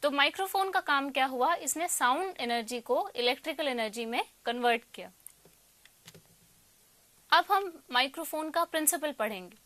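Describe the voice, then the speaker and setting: High-pitched Indian woman tutor. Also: animated, moderate pace, bright, forceful tone, no room sound. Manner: didactic, poses questions then answers them. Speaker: electronics tutor. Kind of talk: explanatory lecture mixing Hindi and English.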